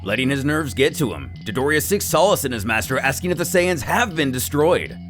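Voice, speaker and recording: A man's voice: mid-range voice, big pitch swings, brisk, a bit bright. A man narrating a dramatic story recap in a theatrical, suspenseful manner, with music playing behind him. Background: background music.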